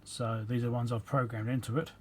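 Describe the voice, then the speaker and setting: A man's voice: medium pitch, level tone, fast, slight background noise. A man giving a casual technical explanation as a repair video host, rambling and matter-of-fact as he thinks aloud.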